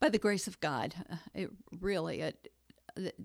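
A woman with an American accent talks at a moderate pace, with vocal fry. The sound is dry and close with no echo, on a very clean recording with a silent background. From western New York/northern Pennsylvania border area. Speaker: guest sharing personal story, churchgoer. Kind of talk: personal testimony in interview. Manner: thoughtful, hesitant, with filler words.

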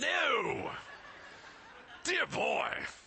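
A raspy, put-on character voice at an extremely high pitch, over clear background noise. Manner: haughty, indignant.

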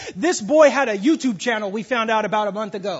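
A loud male voice with lively intonation. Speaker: young adults pastor. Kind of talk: sermon. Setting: church. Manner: fast.

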